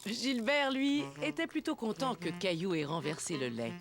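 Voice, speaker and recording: Female cartoon narrator: gentle storytelling, mid pitch, very lively intonation. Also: normal speed. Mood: gentle, expressive. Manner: expressive storytelling. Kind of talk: scripted children's story narration. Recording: music behind the voice.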